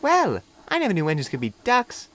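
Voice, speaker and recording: A man voicing an eager, naive young male diesel engine who talks excitably and stammers when sheepish. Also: high voice, brisk, pitched above the performer's own voice, exaggerated voice. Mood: cheerful. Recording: music playing behind.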